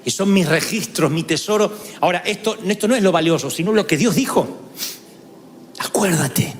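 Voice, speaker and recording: A man preaching a sermon, telling stories with quick asides and slow, emphatic phrases. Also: sits high, big-room sound, a little hiss or hum.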